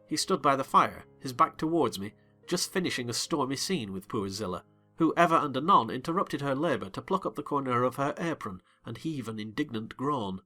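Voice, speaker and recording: Bright-voiced male narrator. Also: mid-range voice, faint music behind. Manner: measured, expressive. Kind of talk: dramatized reading of a classic novel.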